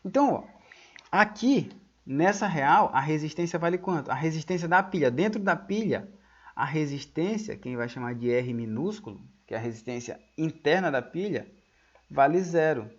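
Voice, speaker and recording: A male physics teacher giving a classroom lecture, explaining patiently, checking whether the students follow, and dictating key terms slowly for notes. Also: a little high, animated. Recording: dull lo-fi audio.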